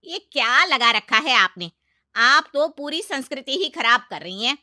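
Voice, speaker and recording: A loud, sharp-tongued aunt-in-law in a family story, pitched high and bright, as a woman narrator puts her on. She nags and taunts in a shrill, carrying voice. The sound is dry and close. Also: very animated, measured pace, no room sound, exaggerated voice. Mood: scolding.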